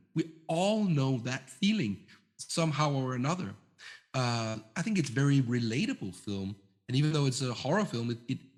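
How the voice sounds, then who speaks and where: Moderate-paced, somewhat breathy speech from a man with a Danish accent, medium pitch and lively intonation. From Denmark. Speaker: film director. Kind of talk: interview. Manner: halting.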